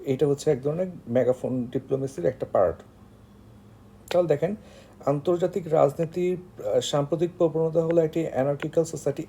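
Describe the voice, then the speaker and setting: Dark-voiced Bangladeshi man, informal tutor. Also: on the high side, vocal fry, slight background noise. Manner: halting, with frequent hesitations and filler phrases. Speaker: online tutor for job exam candidates. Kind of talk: informal explanatory lecture.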